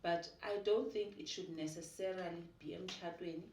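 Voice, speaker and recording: A woman in her forties with a South African Xhosa accent talks in a low voice, with a lively, animated delivery that mixes Xhosa and English. She is recorded from a little distance in an echoey room. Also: normal speed. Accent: South African, Xhosa-speaking. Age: 40s. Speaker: podcast guest. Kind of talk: casual conversational interview.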